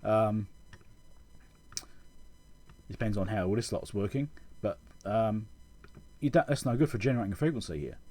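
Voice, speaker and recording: Speaking at a moderate pace with frequent pauses, a man with a lowish, slightly mellow voice explains schematics. He's an electronics repair video host, thinking aloud in an informal tutorial.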